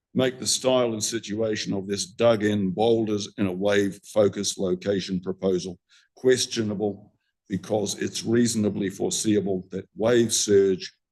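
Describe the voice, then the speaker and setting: A man speaks with a New Zealand accent. His pitch is fairly low and his intonation fairly even. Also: moderate pace. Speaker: submitter at a consent hearing. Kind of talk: formal submission at a hearing.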